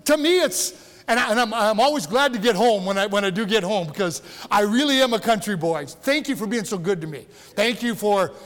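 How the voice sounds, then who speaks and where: A high-voiced older man preaching in a church, his words trailing off in a long hall reverb. He is a pastor in his sixties, folksy and joking, often stumbling and restarting his sentences. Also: lively intonation, brisk, a bit bright. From Michigan. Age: 60s. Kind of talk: sermon. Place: church sanctuary.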